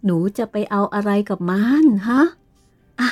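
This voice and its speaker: A woman's voice: medium pitch, steady tone, unhurried, faint music behind, natural voice. A woman voicing a stern, commanding aristocratic aunt who gives orders and reproaches in a dramatized novel reading. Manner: authoritative, giving orders and reproaches. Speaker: reader voicing a character.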